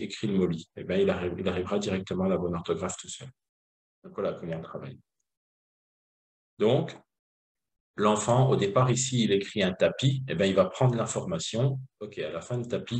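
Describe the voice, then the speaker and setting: Male presenter, low-pitched, patient step-by-step explainer with frequent fillers. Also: darkish tone. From France. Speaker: teacher trainer presenting a reading method.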